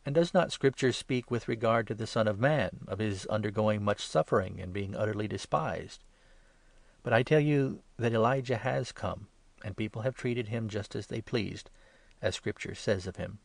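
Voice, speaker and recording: A man reading scripture voices a calm, authoritative male teacher who speaks in a measured, solemn way. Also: on the low side, gravelly, no echo.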